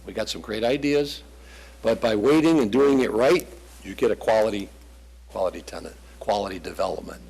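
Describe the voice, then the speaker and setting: A man's voice: on the low side, a little fast, darkish tone, husky, low-quality recording. A man presenting as a property developer at a township planning meeting, casual and rambling.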